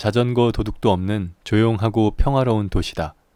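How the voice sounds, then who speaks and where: In a plain, everyday voice, a man at a medium pitch talks at a fairly slow pace with ordinary pitch variation, the sound dry and close with no echo. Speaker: audiobook narrator. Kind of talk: audiobook reading for sleep. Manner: soft-spoken, calm.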